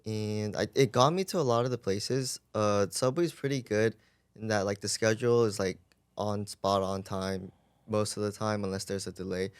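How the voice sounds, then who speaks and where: A man with a slightly low voice chats calmly on a podcast, full of likes and ums. The recording is dry and close. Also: moderate pace, clear, resonant tone, no room sound. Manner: relaxed, many likes and ums. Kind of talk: casual podcast chat.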